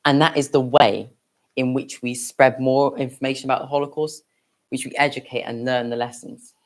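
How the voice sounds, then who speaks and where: A young adult with a mid-pitched voice speaks at a public event. The delivery is plain and explanatory, addressed to an audience. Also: fairly even intonation, moderate pace.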